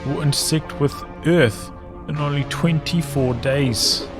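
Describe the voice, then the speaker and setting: A man's voice: fairly high pitch, measured pace, over music. A man playing a formal, worried, pessimistic mission controller in a visual novel. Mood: formal, concerned. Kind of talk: visual novel character reading.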